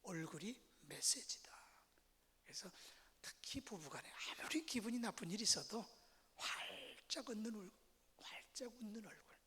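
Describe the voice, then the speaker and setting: A middle-aged man gives a church lecture on family life, his pitch leaping up and down as he talks. He acts out everyday phrases with big, exaggerated intonation. His voice rings through a reverberant church hall. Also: normal speed, slightly rough. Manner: lively, acts out quoted lines with exaggerated intonation. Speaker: guest lecturer, professor. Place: church sanctuary.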